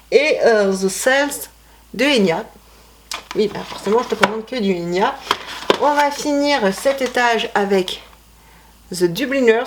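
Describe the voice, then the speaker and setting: Woman vlogger, mid-pitched, rambling casual chat, faint noise behind. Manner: chatty, rambling, self-correcting with many fillers. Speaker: vlogger showing her CD collection.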